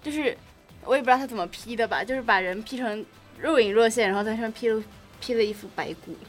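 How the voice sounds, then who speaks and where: This young woman speaks a bit high and tells the story with animation, voicing the people in it. Her delivery is casual and chatty. Faint music hums behind her. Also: fast talker. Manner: animated storyteller, acts out the lines. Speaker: co-host. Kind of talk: casual chat, telling a ghost story.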